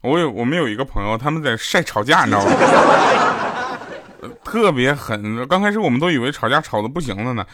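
A man's voice: mid-range voice, lively intonation, fast, heavy background noise. A man hosting a comedy show, telling funny stories in a chatty, teasing way. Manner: chatty, teasing, acts out quoted lines. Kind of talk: comic storytelling monologue. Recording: clear background music under the voice.

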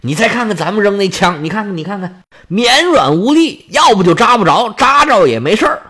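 A man's voice: sits high, sing-song, fairly quick, bright, forceful tone, husky, heavily acted. A man voicing a desperate male warrior who talks anxiously. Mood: worried. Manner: anxious, pleading. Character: desperate male Greek warrior, worried and pleading.

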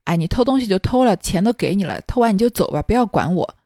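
A woman's voice: mid-range voice, expressive, quick pace, mellow, dry recording, studio quality, close to an everyday voice. A woman voicing a greedy, scheming male county magistrate in a told story, brushing off advice. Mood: dismissive.

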